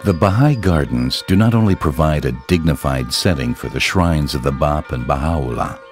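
Deep-voiced man narrating a documentary. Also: darkish tone.

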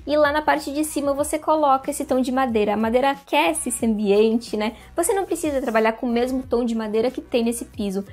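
A woman's voice: high-pitched, a little fast, few pauses, soft background music. A young woman hosting an interior design video, talking casually to the camera on a lapel mic in a room, with lots of hand gestures. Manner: chatty, animated hand gestures, addresses viewers directly. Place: indoor room with curtains and plants.

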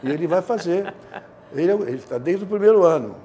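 A man's voice: high voice, expressive, brisk, mellow, a little hiss or hum. A man in his seventies with a Rio de Janeiro Brazilian accent, telling anecdotes casually and repeating himself. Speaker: interview guest, theatre director. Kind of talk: casual anecdotal interview talk. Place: indoor studio, seated. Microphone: lapel.

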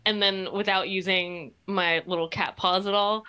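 A woman taking part in a tabletop game over a video call. Her voice is bright and forward. She chats freely, describing what her character does. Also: mid-range voice, steady tone, normal speed, clear, resonant tone. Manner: chatty, describes actions. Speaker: player. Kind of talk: casual tabletop play.

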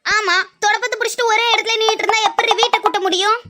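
A woman's voice: extremely high pitch, steady tone, quick pace, sharp tone. A woman voicing a scolding, fed-up mother-in-law in a cartoon, nagging and wailing at her daughter-in-law. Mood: exasperated. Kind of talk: cartoon voice acting.

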